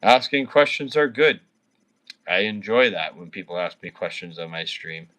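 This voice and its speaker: His voice sits on the low side, animated and fairly bright at normal speed. The speaker, a Canadian man in his thirties, is drunk on a casual livestream, slurring, rambling, and swearing constantly with viewers.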